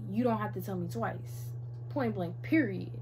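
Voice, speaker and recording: A woman talks while audible room echo and noticeable background noise fill the recording. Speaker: vlogger. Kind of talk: casual chat. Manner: animated.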